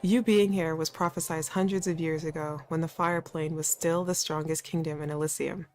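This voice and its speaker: An earnest exiled prince from a fantasy visual novel, as a woman gamer reads him aloud, explaining a prophecy in a put-on Australian accent. The voice sits a little low for a woman, with faint game music behind it. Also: fairly even intonation, normal speed, lightly acted. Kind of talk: reading game dialogue aloud.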